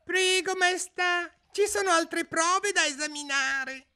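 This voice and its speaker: A man voicing a jittery male white rabbit herald in a very high, squeaky falsetto, in a storybook reading. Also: steady tone, slow, pushed and bright, full character voice. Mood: fussy.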